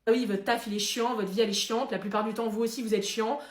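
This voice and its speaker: A woman's voice: a little high, steady tone, fast, reverberant, natural voice. A woman voicing a blunt, sarcastic receptionist at the gates of heaven.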